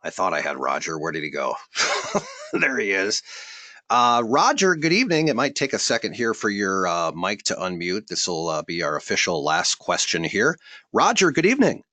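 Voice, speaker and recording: A man's voice: sits low, very animated, moderate pace, sharp tone, no echo. A man hosting a live webinar Q&A as a voiceover coach, friendly and upbeat.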